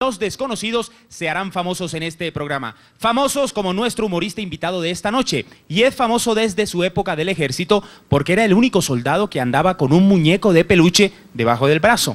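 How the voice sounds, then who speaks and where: Here a man speaks at a fairly quick pace. His intonation is lively. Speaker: TV show host. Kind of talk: host introduction of a guest. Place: stage. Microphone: handheld.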